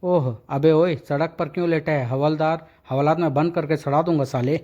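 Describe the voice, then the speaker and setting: A man's voice: fairly high pitch, steady tone, normal speed, darkish tone, muffled recording, close to an everyday voice. A man voicing a blustering, boastful comic police constable who hurls coarse threats. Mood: angry.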